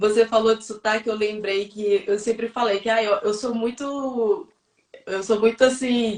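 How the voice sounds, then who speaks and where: A woman's fairly high-pitched voice carries fairly even intonation. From Northeast Brazil, Recife, Pernambuco. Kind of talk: live interview conversation. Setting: online live stream.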